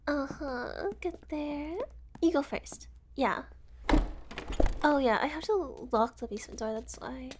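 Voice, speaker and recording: A woman's voice: high-pitched, slow pace, pauses often, background noise. A woman playing a giggly, unhinged young woman kidnapper who teases and whispers asides in a sweetly menacing way. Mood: playful teasing. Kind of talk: audio roleplay acting.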